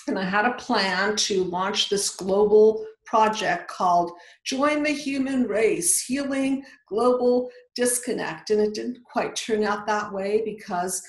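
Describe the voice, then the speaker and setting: A woman in her sixties from Hungary, speaking as a psychologist guest on a video call. She explains earnestly and often restarts mid-sentence. The webcam audio has a roomy, echoing sound. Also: mid-range voice. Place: indoor home office.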